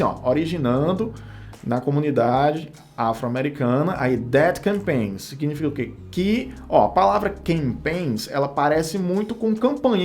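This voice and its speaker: A man's voice: a little high, a little mellow. A Brazilian man teaching, with a Brazilian Portuguese accent, walking through an English text word by word in a casual lesson. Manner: explains word by word, thinking aloud.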